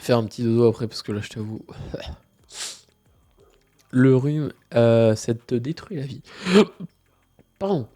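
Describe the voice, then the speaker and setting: A man with a stuffy cold streams a game live, chatting casually as he plays in a mid-range voice that runs a little slow with long pauses. He's relaxed, mumbling asides and using frequent fillers.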